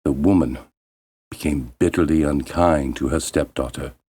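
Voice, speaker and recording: A man narrating a bedtime fairy tale as a storyteller, in a measured, expressive and deliberate way. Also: rumbling low, husky.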